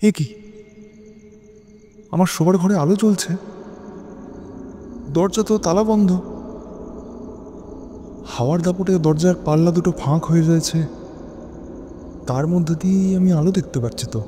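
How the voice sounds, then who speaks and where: A male actor plays a brooding, lonely widower telling his own story in a horror audio drama. His voice is mellow and dark yet fairly high for a man, with theatrical, introspective pauses. It sits in long reverb. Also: slight background noise. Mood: puzzled unease. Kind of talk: dramatic first-person audio drama narration. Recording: long reverb, music bed underneath.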